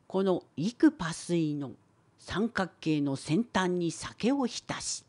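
A woman voicing a wise, opinionated old professor in an educational cartoon, with a creaky, husky old-timer voice and a wry lecturing manner. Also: mid-range voice, a little mellow. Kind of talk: scripted educational cartoon dialogue.

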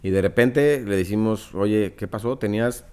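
In an office meeting room, a startup founder in his thirties with a northern Mexican accent explains his business during an interview, using examples and lots of fillers. His lowish voice is smooth and a little mellow at a normal pace, picked up by a studio mic on a desk stand.

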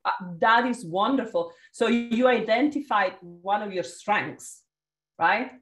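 Italian-accented woman facilitating over a video call, lively and encouraging, roomy echo. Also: medium pitch, slow. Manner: energetic, encouraging, calls on participants. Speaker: workshop facilitator. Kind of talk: leading a group video call.

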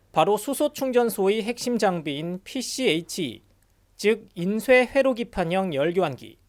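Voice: mid-range voice, a little mellow. A news reporter reading scripted narration for a broadcast industry report.

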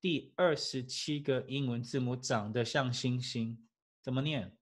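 A man, an English teacher giving a lively classroom lecture full of rhetorical questions and chuckles. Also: mid-range voice, a little slow.

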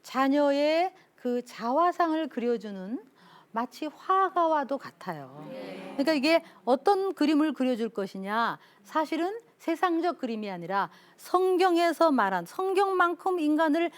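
A middle-aged woman professor teaching a parenting class to an audience, earnestly acting out parents and children in quick quoted lines. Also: high-pitched, very animated. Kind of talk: lecture to an audience.

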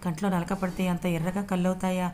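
A woman's voice: fairly low pitch, little pitch movement, fast talker, mellow, slight background noise, lightly acted. A woman voicing a loving, comforting mother in a read-aloud story, speaking tenderly.

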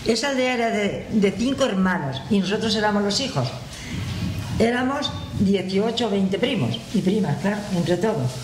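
A woman's voice: mid-range voice, expressive, moderate pace. An older woman from La Mancha with a Manchego Spanish accent, chatting as a guest and reminiscing in a casual, storytelling way at a table mic. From La Mancha, Spain. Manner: chatty, reminiscing, laughs at herself. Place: community hall with audience. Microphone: table mic on stand. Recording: roomy hall, audible noise.

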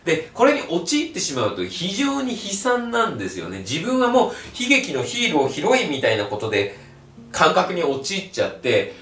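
A man giving a blunt, animated video lecture as an online resale instructor. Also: high-pitched, moderate pace, far from the mic, slight background noise. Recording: roomy echo, mic set back.

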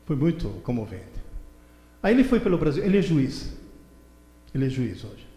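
A man in his seventies giving an animated lecture on a stage, telling stories with mimicked voices and indignant outbursts. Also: a little high, moderate pace. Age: 70s. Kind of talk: animated lecture to a seminar audience. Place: large hall with a stage. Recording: echoey hall recorded from far off.

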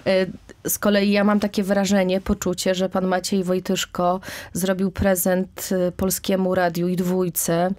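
A woman's voice: on the low side, monotone, a little slow, a little mellow. Hesitant younger woman hosting radio. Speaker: radio interview host. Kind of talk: conversational radio interviewing. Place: radio studio. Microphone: close studio microphone with headphones.

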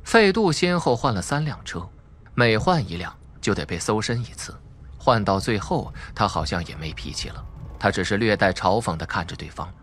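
A man's voice: lowish voice, animated, moderate pace, a bit bright, slight background noise. A man narrating suspense fiction from a script in a dramatic audiobook style.

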